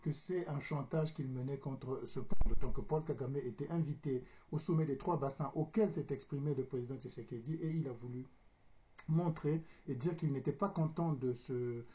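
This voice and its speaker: A man from the Republic of the Congo with a Congolese accent, giving a formal, deliberate political commentary with hesitant pauses as he searches for words. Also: medium pitch, mellow. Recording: dull, lo-fi sound.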